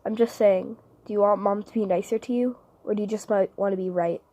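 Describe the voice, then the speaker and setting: A woman playing an earnest twelve-year-old girl in an audition monologue, soft-spoken, halting and sincere as she pleads with her father. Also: mid-range voice, fairly even intonation, dry recording, lightly acted. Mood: quiet pleading.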